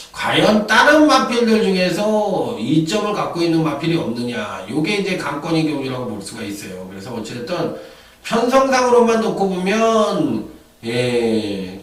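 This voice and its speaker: A man giving horse racing tips in an animated, chatty commentary style with lively asides. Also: sits high, distant mic. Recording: echoey room, off-mic.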